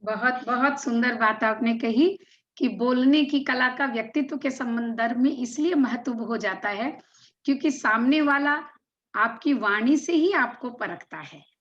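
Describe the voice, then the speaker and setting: A woman's voice: on the high side, measured pace. A woman hosting a discussion who praises her guest's point and then poses the next question. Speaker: host. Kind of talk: interview questions. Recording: dull, muffled sound.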